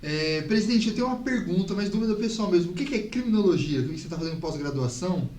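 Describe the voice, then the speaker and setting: A man's voice: high-pitched, expressive, rapid-fire, a little mellow. A young man with a São Paulo Brazilian accent, co-hosting a podcast in a casual, chatty way. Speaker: podcast co-host. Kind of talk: casual interview chat. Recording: roomy, distant mic, background noise.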